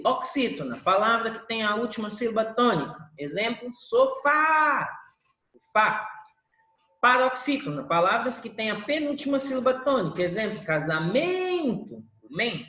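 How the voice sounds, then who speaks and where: Lively woman teacher, echoey room. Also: fairly high pitch. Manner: drawn-out syllables to show word stress. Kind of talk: recorded class review lesson.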